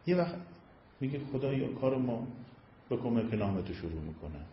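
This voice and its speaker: A man's voice: very animated, slight background noise. A man explaining Arabic grammar as a religious teacher, in a patient lecturing manner, often lifting and dropping his voice for emphasis. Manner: explanatory, rises and falls in pitch for emphasis. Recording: echoey room, dull lo-fi sound.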